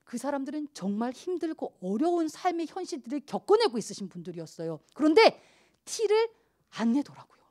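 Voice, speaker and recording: Lively high-voiced woman preaching. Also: fairly quick. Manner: animated, acts out quoted voices of children and church members. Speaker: pastor. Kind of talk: youth sermon.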